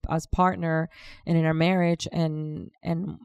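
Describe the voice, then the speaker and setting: A woman with a Cuban Spanish accent, her voice low and gravelly, talking as a podcast guest. She speaks in long, loose stretches, restarting phrases and laughing as she goes. The sound is close and dry. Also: little pitch movement, unhurried, darkish tone, dry recording, lo-fi sound. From Cuba. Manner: talkative, restarts often, laughs easily. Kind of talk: casual interview conversation.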